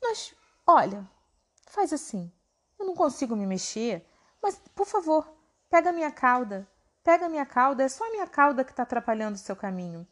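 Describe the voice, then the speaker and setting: A woman voicing an old male monkey blocking a path, speaking in a calm, teasing way. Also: high-pitched, moderate pace. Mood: coaxing.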